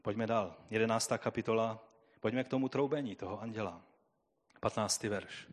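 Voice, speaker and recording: A man preaching a sermon and reading scripture aloud, swinging between loud, drawn-out proclamation and quiet, low asides. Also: husky.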